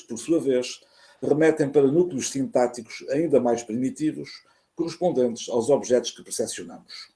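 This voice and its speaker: A man with a European Portuguese accent giving a formal academic lecture over a video call, speaking in a careful, measured way as a university professor. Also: mid-range voice, warm tone. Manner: measured, careful, formal delivery with hesitations when speaking off text. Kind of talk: academic lecture read from a prepared text.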